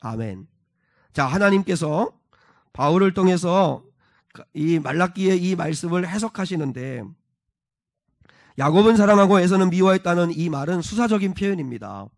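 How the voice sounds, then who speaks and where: A pastor preaches in a church, his voice sitting high for a man. He explains a passage step by step and keeps putting questions to the congregation. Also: animated, moderate pace, vocal fry. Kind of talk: sermon. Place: church sanctuary.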